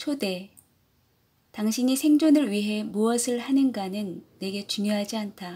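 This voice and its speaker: A woman's somewhat breathy, fairly high voice with a dark, mellow tone. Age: 50s. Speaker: book YouTuber. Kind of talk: poetry reading.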